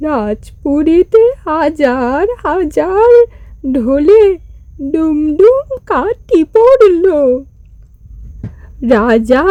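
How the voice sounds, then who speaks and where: A woman narrating a scripted fairy tale as a storyteller, in a dramatic, drawn-out delivery. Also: high-pitched, dark tone, no echo.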